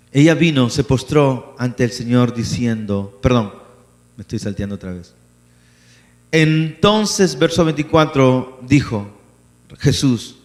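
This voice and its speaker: A man preaching a sermon as pastor, animated and acting out biblical voices. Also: medium pitch. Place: church hall. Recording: church hall reverb with mains hum.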